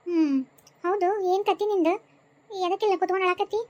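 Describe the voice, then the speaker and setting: A woman's voice: very high voice, steady tone, a little fast, darkish tone, dull audio. A woman with a North Karnataka Kannada accent, voicing a bossy senior female ghost in a cartoon. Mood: chatty. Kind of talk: cartoon voice acting.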